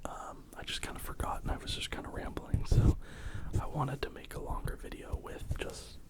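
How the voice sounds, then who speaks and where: An American man speaking in a soft, mostly whispered ASMR style, rambling casually and informally close to the microphone. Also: normal speed. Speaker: ASMR video creator.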